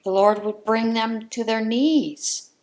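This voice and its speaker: A woman's voice: a little high, slow, a little mellow. A woman hosting a crafting channel, sharing her views in a casual chat from home in an earnest, heartfelt way.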